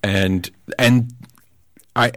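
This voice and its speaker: A man, a podcast guest, talking through political ideas in casual conversation, thoughtful and halting, with many restarts. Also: mid-range voice, steady tone, fairly bright tone, no room sound, clean studio sound.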